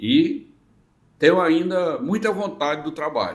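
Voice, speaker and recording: This voice carries vocal fry and moves at a fairly slow pace. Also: man. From Piauí, northeastern Brazil. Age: 70s. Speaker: accountancy firm founder, businessman. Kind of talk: interview.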